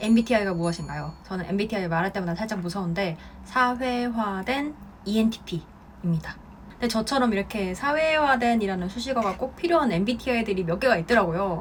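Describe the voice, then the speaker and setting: Noticeable background noise sits behind speech with lively intonation. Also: woman, medium pitch for a woman, fairly quick pace. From Daegu, South Korea. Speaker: YouTuber and brand founder. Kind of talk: casual Q&A vlog.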